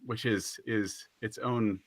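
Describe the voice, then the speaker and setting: A man's voice: on the low side, steady tone, slow, no room sound. A man moderating a panel discussion, thoughtful and affirming as he responds to the speakers.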